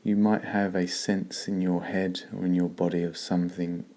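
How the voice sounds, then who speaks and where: A man leading a guided meditation in a slow, calm, gentle way with long pauses. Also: sits low.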